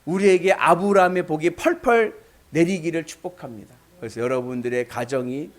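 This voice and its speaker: A man preaching a sermon, emphatic, with loud exclamations and questions to the congregation. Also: fairly high pitch, a little fast. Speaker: pastor.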